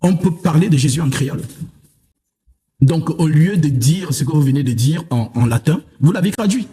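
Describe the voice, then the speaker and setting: A man's voice: fairly high pitch, animated, moderate pace, dark tone, slightly rough. A man from Africa speaking as a preacher in a televised religious debate, with a self-assured, boastful and dismissive manner.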